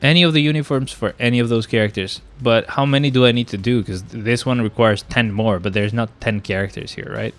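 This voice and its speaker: Faint music plays behind a young man streaming live with a cold-blocked nose. At a medium pitch, he talks a little fast with hardly any pauses, chatting casually to viewers and addressing chat while the game exasperates him. He's a chatty type who gets frustrated easily.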